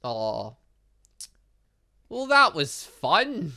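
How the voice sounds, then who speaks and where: Lively, bright-voiced man doing game commentary. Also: a little high, drawn-out words, vocal fry. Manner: playful, excitable asides, stumbles and interjections. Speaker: gaming video host. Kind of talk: casual let's play commentary, reading game dialogue aloud.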